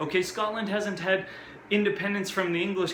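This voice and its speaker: Against noticeable background noise and audible room echo, a man speaks in an American accent with an animated tone. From United States. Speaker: video blogger. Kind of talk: casual rant to camera.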